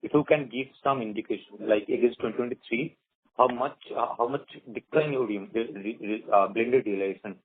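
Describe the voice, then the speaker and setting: A man with an Indian accent puts questions to management on a conference call. He is halting and doubles up words, with a slightly rough, mid-pitched voice. The sound is narrow telephone audio. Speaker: individual investor asking questions. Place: phone call. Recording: tinny phone line, radio-like.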